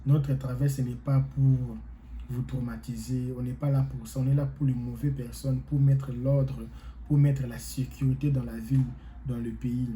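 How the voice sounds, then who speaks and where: A man whose first language is not French talks casually to his viewers in a very dark, mellow voice. He rambles, repeats phrases and hesitates a lot. Faint ambient noise sits behind him. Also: medium pitch, level tone, moderate pace. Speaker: vlogger giving advice. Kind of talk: casual advice talk to viewers.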